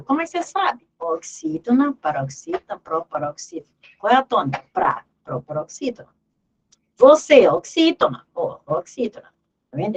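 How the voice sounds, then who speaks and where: A woman's voice: fairly high pitch, dull audio. A woman teaching an exam review lesson in Portuguese grammar, emphatic and repeating key words as she drills terms aloud.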